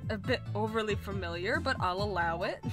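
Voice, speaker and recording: A woman's voice: medium pitch, a little fast, voice pushed down, close to an everyday voice. A woman voicing a cheerful small female guide robot that talks in polite, formal, chipper robot speech, with game music behind.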